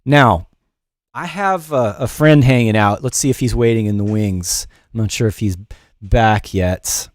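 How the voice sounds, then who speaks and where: A man's voice: on the low side, unhurried, dry recording. Middle-aged man, livestream music teacher, casual, rambling, self-deprecating, dry room-free sound. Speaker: music production teacher and show host.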